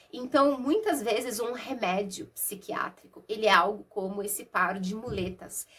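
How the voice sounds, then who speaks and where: A Brazilian woman talks to her viewers like a therapist, her voice nasal and husky from a cold. She pitches a little high and keeps a chatty, easy flow. She records without a separate microphone. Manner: warm, conversational, uses many diminutives and asides. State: has a cold. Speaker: therapist and mentor. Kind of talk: casual explainer talk to camera. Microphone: no external microphone.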